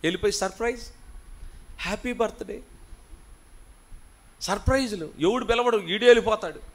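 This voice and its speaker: A man preaching as a pastor at a fasting prayer meeting. He scolds and teases his congregation, calls on them to answer aloud, and moves between soft asides and loud, rising rebukes. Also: high voice.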